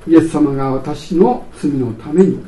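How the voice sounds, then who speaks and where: A man's voice: on the high side, unhurried, a little hiss or hum. A middle-aged man preaching a sermon as pastor, telling stories animatedly and acting out scenes. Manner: animated storytelling, acts out scenes. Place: church sanctuary. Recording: echoey church hall from far off.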